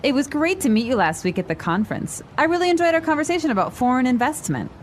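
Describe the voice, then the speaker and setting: A woman playing a friendly, easygoing businesswoman in a scripted language-lesson dialogue, with a standard American accent and cheerful, clear enunciation. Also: medium pitch, sing-song, takes it slowly, a bit bright, a little hiss or hum. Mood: friendly, upbeat. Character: friendly, easygoing young businesswoman meeting an acquaintance.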